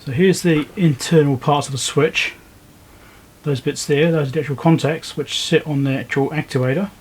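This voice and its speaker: A man giving casual, low-key commentary as he works, thinking aloud step by step like a repair video host. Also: steady tone, moderate pace, slight background noise. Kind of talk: casual hands-on commentary while working. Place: indoor repair workbench.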